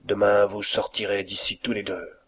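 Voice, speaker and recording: A man voicing an irate old bachelor who scolds and dismisses his servants, raising his voice loud and high. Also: level tone, normal speed, breathy edge. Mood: furious. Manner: shouting, commanding. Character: furious old bachelor master of the house.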